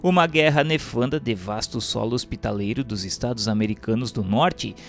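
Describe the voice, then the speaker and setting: A man reading scripted narration in a formal, solemn, measured manner. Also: medium pitch. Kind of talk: scripted audiobook-style narration of a spiritual history text. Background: instrumental music.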